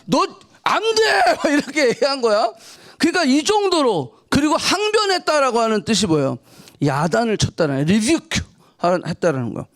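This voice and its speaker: A woman pastor preaches in a church with a very high voice. Her pitch leaps up and down as she acts out the story. She keeps the sermon casual and dramatic and drops in English words. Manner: lively, colloquial and dramatic, mixing in English words. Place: church sanctuary.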